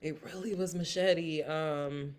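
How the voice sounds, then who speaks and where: A woman's voice: low-pitched, fairly even intonation, slow, a little mellow. A woman hosting a casual solo podcast recap, earnest and motivational, thinking aloud with many restarts. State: briefly emotional. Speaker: podcast host.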